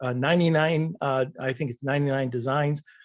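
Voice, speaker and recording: Fairly high in pitch, a man speaks with an ordinary speaking voice. His pace is moderate and his intonation fairly even. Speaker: e-commerce speaker. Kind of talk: webinar presentation.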